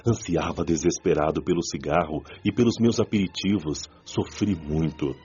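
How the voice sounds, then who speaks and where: A man's voice: rumbling low, normal speed, mellow, breathy edge, dull audio, faint music behind, heavily acted. An actor playing Oscar, a former smoker's spirit telling his suffering and recovery in a radio drama.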